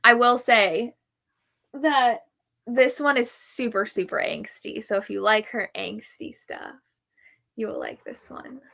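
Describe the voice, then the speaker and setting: Hosting a relaxed live show about books, this woman shares blunt, opinionated reviews. Her voice is on the high side, gravelly and fairly bright, and she keeps a measured pace.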